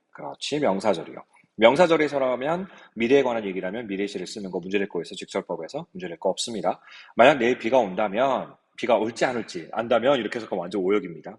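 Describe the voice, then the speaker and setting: A man's voice: lowish voice, slightly rough, in a large hall. A man teaching an English grammar lecture, explaining step by step and asking his students rhetorical questions. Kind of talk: recorded lecture.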